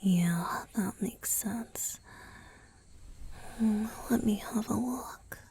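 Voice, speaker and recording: A woman playing a gentle, doting young male vampire boyfriend in a romantic ASMR roleplay, speaking softly and tenderly, mostly in a breathy whisper. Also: medium pitch, drawn-out words, slight background noise, poor audio. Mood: gentle concern. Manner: tender, attentive, softly reassuring.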